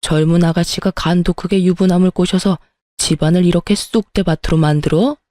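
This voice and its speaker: A woman's voice: lowish voice, steady tone, a little fast, dark tone, no echo, studio quality, lightly acted. A woman voicing a stern, angry older father-in-law who scolds bluntly. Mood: scolding.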